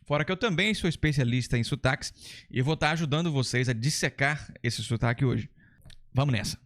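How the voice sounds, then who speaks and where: A man from Brazil with a Brazilian Portuguese accent hosts a casual language lesson. He talks in a chatty, enthusiastic way, explaining each point step by step. His voice sits at an ordinary male pitch. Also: a little fast, a bit bright. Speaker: English teacher and channel host.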